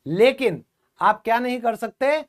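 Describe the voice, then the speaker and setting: A male teacher giving an online grammar class, chatty and constantly checking with his students through quick questions. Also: extremely high pitch, animated.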